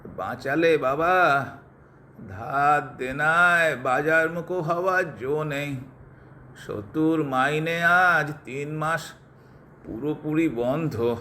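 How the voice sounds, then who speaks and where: A man's voice: on the high side, slow pace, bright, forceful tone, slight background noise. A man playing a grasping, querulous elderly father-in-law in an audio drama, nagging and wheedling. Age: older. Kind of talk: Bengali audio drama acting.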